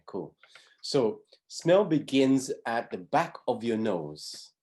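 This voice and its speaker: A man from Zambia, middle-aged, teaches a pathfinder class. His voice sits low and sounds warm and dark. He explains step by step, and he often repeats or restarts a phrase partway through. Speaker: pathfinder honour instructor. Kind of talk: teaching a class over video.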